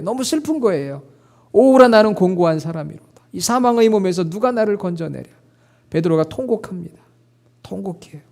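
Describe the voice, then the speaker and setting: A middle-aged man preaching a sermon as pastor, earnest, lifting into emotional prayer-like quotes and then dropping soft. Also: high-pitched.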